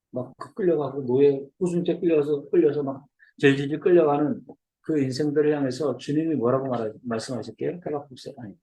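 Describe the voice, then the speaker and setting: A man's voice: on the high side, mellow, echoey room. A man preaching a sermon as a missionary, in a conversational way that keeps checking in with his listeners. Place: church hall.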